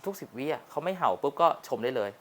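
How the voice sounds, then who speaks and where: A man teaching a dog owner at their home, explaining training steps in a quick, coaching way. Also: on the high side, lively intonation, a bit bright. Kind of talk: on-site dog training lesson.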